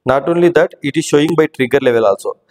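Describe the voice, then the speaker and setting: A man hosting a screen-recorded software tutorial, explaining step by step and often checking in with "right?". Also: a little high, animated, fast talker, long reverb tail. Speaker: tutorial host. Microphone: voice-over on screen recording.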